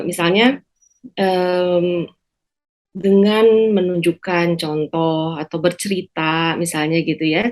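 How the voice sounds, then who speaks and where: A woman psychiatrist explaining slowly on a talk show, with frequent pauses and fillers. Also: on the low side. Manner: measured, many hesitation fillers. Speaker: psychiatrist guest.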